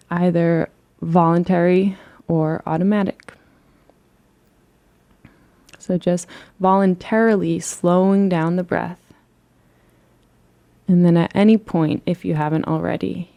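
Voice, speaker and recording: A woman leading a guided relaxation as a meditation teacher, speaking in a soothing, gentle and unhurried way. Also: on the low side, gravelly.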